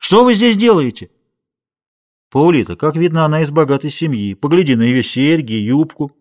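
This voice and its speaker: A male reader plays an inquisitive, wary common man, asking questions in a somewhat raised, lively voice. It stays close to the reader's own sound, a storybook character rather than a full transformation. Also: on the high side, normal speed, close to an everyday voice. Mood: curious. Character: curious common man, nicknamed mosquito.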